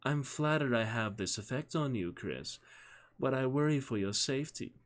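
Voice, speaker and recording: Man voicing an elegant British young woman, lifted pitch. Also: animated, moderate pace, lightly acted. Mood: playful, teasing.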